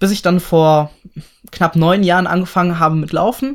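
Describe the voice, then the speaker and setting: At a moderate pace, a man speaks in a high pitch. His intonation is fairly even. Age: 20s. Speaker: podcast host, triathlete and coach. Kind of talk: casual chat.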